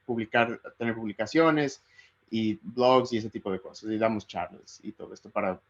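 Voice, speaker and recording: Man giving a relaxed online talk. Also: lowish voice, normal speed. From Ecuador. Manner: relaxed, thinking aloud with fillers. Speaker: guest speaker. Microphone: video call. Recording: slightly muffled video call audio.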